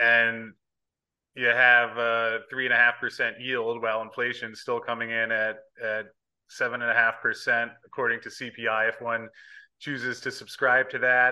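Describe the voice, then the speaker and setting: Against a quiet background, a man speaks in a flat monotone with a bright, sharp tone. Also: medium pitch for a man, moderate pace. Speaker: show host. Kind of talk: interview, news-style commentary. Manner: friendly, conversational.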